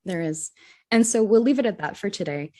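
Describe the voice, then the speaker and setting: A woman's voice: medium pitch, expressive, fairly quick, a little mellow. A woman with a Rhode Island accent co-hosting a teachers' podcast, talking earnestly and thinking aloud through rhetorical questions. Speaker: podcast co-host, English teacher. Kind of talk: scripted podcast discussion.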